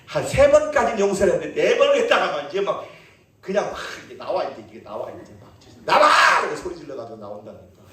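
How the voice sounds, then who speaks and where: A man preaching a sermon as pastor, playful and animated, calling out questions to his congregation. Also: on the high side, rapid-fire, recorded from a distance. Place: church sanctuary. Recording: echoey church hall, mic from afar.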